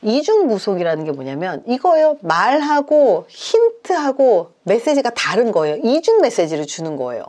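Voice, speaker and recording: A woman's voice: on the high side, wildly swooping pitch, moderate pace, hardly any pauses, darkish tone. A woman psychologist giving advice on communication, explaining point by point in numbered steps. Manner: explains in numbered points, acts out example lines.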